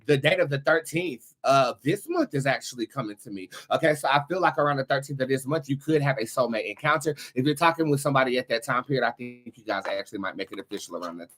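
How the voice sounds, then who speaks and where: A man's voice: medium pitch, lively intonation, fast talker, few pauses, a bit bright. Male tarot reader for live stream. Mid-range voice, casual and slangy, emphatic delivery, encouraging coach energy.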